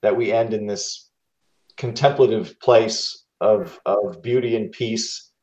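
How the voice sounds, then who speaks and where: A man's voice: lowish voice, steady tone, takes it slowly, darkish tone. A man chatting casually on a podcast, talking in an effusive, meandering and thoughtful way. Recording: roomy, echoey, dull lo-fi call audio.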